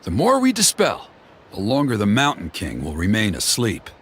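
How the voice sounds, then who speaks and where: A man voicing a smooth-talking, flattering male tribal elder who persuades the heroes in a game. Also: lowish voice, normal speed, background noise. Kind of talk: game voice acting. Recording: game music behind.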